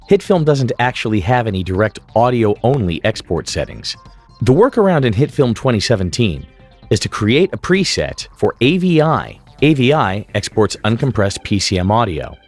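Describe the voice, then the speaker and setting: A man giving scripted software tutorial narration as an instructor, speaking in a precise, explanatory way. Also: fairly low pitch.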